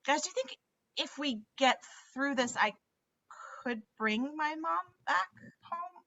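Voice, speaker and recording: A woman's voice: sits high, lively intonation, takes it slowly, pauses often, sharp tone, dull audio, full character voice. A woman playing an earnest, conflicted teenage girl in a table read of a film script. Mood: wistful, anxious. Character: Max, earnest, conflicted teenage girl grieving her mother.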